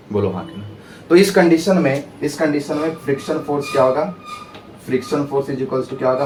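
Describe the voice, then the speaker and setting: A man's voice: medium pitch, darkish tone, reverberant, distant mic, a little hiss or hum. A male physics teacher giving an exam-prep lecture, acting out friction as if it were pleading and often checking that his students follow. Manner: dramatic, personifies friction pleading; asks students rhetorical checks.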